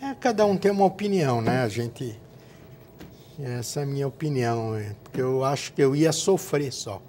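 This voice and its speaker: An older man, telling his story in an interview. He speaks in a middling register and pauses often, restarting phrases and repeating words while he recalls. Faint noise sits under his voice. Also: medium pitch, lively intonation, dark tone. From São Paulo, Brazil. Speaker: guest, former state legislator. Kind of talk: interview reminiscence.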